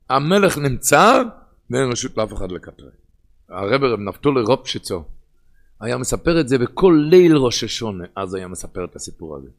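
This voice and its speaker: A man with an Ashkenazi Hebrew pronunciation giving a sermon in a sing-song study cadence that swings between loud and hushed. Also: medium pitch.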